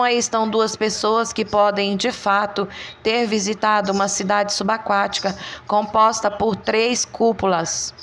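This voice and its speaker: A woman giving a calm, evenly paced translated voice-over narration. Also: medium pitch, a little hiss or hum.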